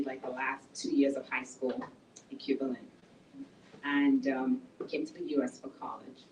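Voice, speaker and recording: A woman's voice: low voice, muffled recording, slight background noise. A middle-aged woman, an author giving a conversational talk about her life and work to a small audience. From Nigeria. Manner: conversational, explains plainly. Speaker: author and speaker. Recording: echoey room from a distance.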